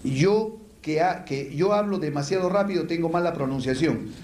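A man's voice: fairly high pitch, normal speed, a little mellow, slight background noise. A man teaching public speaking to a live audience, asking rhetorical questions and answering them with lists. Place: lecture hall with an audience. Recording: echoey room.

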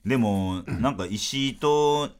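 A man's voice: mid-range voice, takes it slowly. A man with a Kansai accent hosting a podcast, telling stories in casual comedian banter and often breaking into laughter. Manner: animated storytelling, bursts of laughter. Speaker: podcast host.

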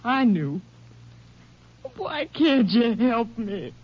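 A woman's voice: a little high, sing-song, drawn-out words, breathy edge, heavily acted. A woman playing a grieving, desperate young American widow with a baby, tearful and pleading, in 1950s radio drama style. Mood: anguished, pleading. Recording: muffled old radio broadcast recording.

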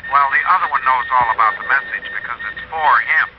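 An actor playing an excited radio studio colleague calling in about the message. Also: male voice, mid-range voice, fast talker, close to an everyday voice. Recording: dull old radio recording with hiss.

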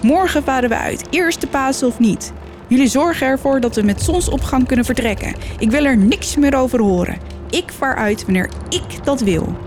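A woman's voice: high-pitched, normal speed, soft background music, pitched above the performer's own voice. A woman voicing a fierce, hot-tempered male sea captain who growls and bellows his commands. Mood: gruff.

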